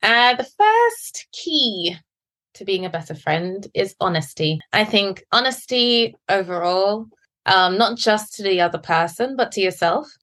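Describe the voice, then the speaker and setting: A woman born in Guyana and raised in England, co-hosting a casual podcast chat in a relaxed way, quick to laugh. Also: medium pitch. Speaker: podcast co-host.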